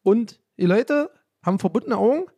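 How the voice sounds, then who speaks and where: A man's voice: high-pitched, lively intonation, normal speed, dark tone, slightly rough, dry recording, highs cut off. Rambling, self-amused male podcast host. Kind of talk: casual solo podcast monologue.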